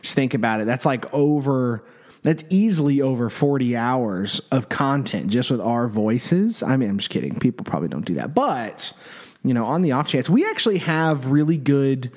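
A man's voice: mid-range voice, animated, normal speed, darkish tone. A man co-hosting a podcast in a loose, chatty way, speaking into a microphone in an echoey office room. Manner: loose, chatty, self-correcting talk. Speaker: podcast co-host. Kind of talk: casual podcast chat. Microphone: desk microphone.

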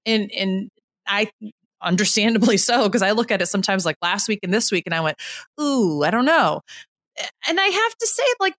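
A woman's voice: mid-range voice, big pitch swings, brisk, a bit bright, no echo. Chatty woman explaining things, dry sound. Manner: explains at length, often asks "right?". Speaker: podcast co-host. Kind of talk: casual chat reviewing a TV show.

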